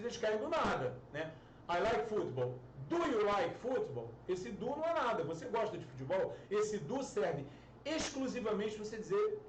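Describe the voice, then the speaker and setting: A man who teaches English, giving an online grammar lesson and explaining with everyday analogies and repeated example sentences. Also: sits high. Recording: roomy echo, distant mic, faint hiss.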